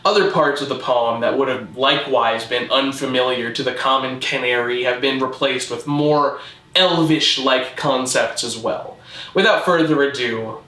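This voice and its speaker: A man narrating a scripted mock-documentary explainer in a formal, measured, deadpan manner. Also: medium pitch, echoey room, poor audio. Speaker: presenter of a constructed-language video.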